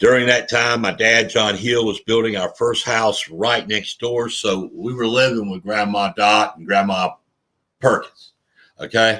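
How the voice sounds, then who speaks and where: A drawling man with a Southern US accent, medium pitch and a bright, sharp tone, at a fairly slow pace with fairly even intonation. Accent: slow Southern drawl. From US South, North Carolina (Goldsboro, Wayne County). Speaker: talk show host. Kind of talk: personal memoir talk. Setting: on camera livestream. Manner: slow drawl; halting, many fillers.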